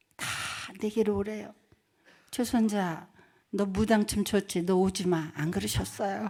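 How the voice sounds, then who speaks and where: Dark and mellow in tone, a woman's voice sits at a medium pitch with ordinary pitch variation. It is somewhat breathy. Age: 80s+. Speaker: church elder giving testimony. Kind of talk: testimony. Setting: church.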